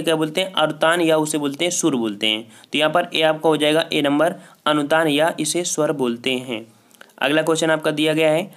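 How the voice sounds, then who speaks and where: Man, exam prep teacher, slightly high voice, steady repetitive explaining, asks answers back. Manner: repeats each answer and asks it back with "ठीक है". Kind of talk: solving a Hindi grammar test paper aloud.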